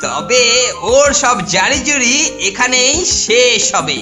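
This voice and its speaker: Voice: medium pitch, animated, slow. An actor voicing a bumbling teenage boy who fancies himself a detective, boastful and conspiratorial, in a cartoon. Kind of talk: cartoon voice acting. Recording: music behind the voice. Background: cartoon background music.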